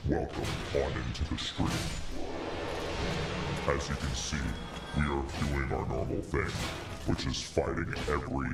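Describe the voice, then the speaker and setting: A streamer using a voice changer that morphs his voice into a booming deep knight persona with a slow, grandiose delivery. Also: steady tone, gravelly, heavily acted. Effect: voice changer pitched very low. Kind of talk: gaming livestream commentary. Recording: echoey with loud game music.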